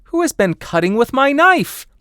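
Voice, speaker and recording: A man voicing excitable, kind-hearted little dwarves from a storybook in an exclamatory way. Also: very high-pitched, normal speed, no echo, studio quality, voice pushed up, heavily acted. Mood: indignant.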